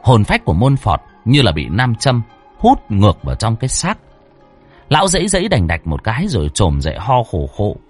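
A man telling a ghost story with drama and colour, his husky voice moving in lively rises and falls. Faint music plays under the telling. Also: lowish voice, moderate pace. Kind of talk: scripted ghost story narration.

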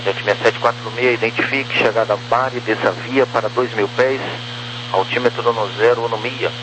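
A man's voice: medium pitch, fairly even intonation, moderate pace. A Brazilian man working as an air traffic controller, speaking in clipped phraseology over a crackly, military-style radio. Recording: noisy radio with mains hum.

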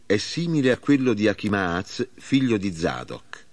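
A man voicing a watchful male sentinel in a plain, measured reading. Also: on the low side, big pitch swings.

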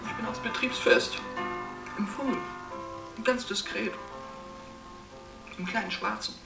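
A man's voice: high-pitched, unhurried, vocal fry, far from the mic. A man acting a flamboyant, self-pitying, broke gay man in a radio play, agitated and plaintive. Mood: wounded, recounting. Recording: echoey room, off the mic, music behind.

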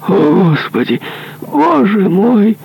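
A guilt-ridden executioner on his deathbed pleads for absolution in a voice pushed high and strained, as a male audiobook reader puts him on. The delivery is slow and anguished, with a gravelly edge underneath. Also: sing-song, dark tone, exaggerated voice, low-quality recording. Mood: desperate terror. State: dying.

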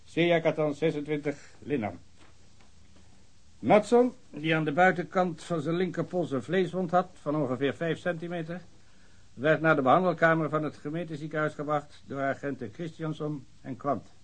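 A man's voice: fairly high pitch, moderate pace, natural voice. A man playing a pedantic police official. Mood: formal. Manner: formal, reads a report in stiff officialese. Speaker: police officer reading a report. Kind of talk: radio drama acting.

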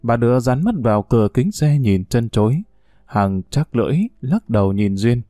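Male storyteller, steady measured narration, dark tone, dry recording. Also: mid-range voice, dry recording.

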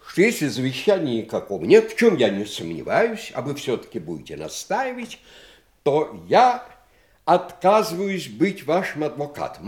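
An actor in a Soviet audio drama playing an uneasy, defensive middle-aged family lawyer, hesitant and formal, in a roomy recording. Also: male voice, on the high side, a little mellow. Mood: firm, agitated.

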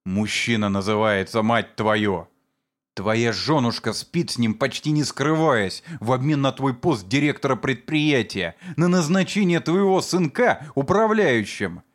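A man voicing a vengeful man who sneers at and shouts accusations against his brother-in-law. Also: medium pitch, normal speed, lightly acted. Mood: furious.

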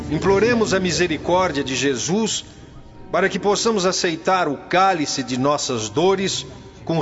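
An actor with a Brazilian accent playing a solemn early Christian preacher in a radio drama, speaking in measured, declamatory phrases. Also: male voice, fairly high pitch, fairly bright tone. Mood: grave, sorrowful. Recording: dull lo-fi audio with music behind.

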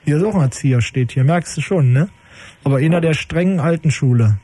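A man hosts a late-night call-in radio show from his studio, needling his callers with dry, ironic jokes. His voice has a mellow, darker tone. It sits a little higher than most men's. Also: a little fast, husky, no echo.

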